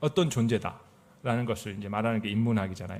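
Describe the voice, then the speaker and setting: A man talks at a fairly quick pace. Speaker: pastor. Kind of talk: sermon. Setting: church. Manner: conversational, with fillers.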